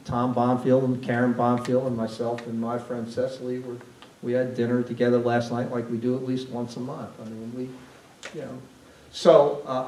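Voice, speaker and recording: An older man, a retired downtown development president, speaking on a panel in a library event room, halting with many restarts and repeated words. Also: mid-range voice, a little mellow. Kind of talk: panel discussion answering questions. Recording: roomy, distant mic, faint hiss.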